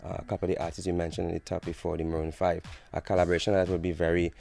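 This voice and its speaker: A man interviewing a singer, asking questions in a smooth, measured, complimentary way. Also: sits low, completely flat delivery, mellow.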